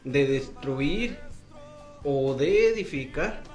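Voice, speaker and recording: A man's voice: mid-range voice, animated, very slow, a little mellow, faint music behind. A man hosting a Christian radio talk, preacherly and often checking for agreement. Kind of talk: casual Christian radio discussion.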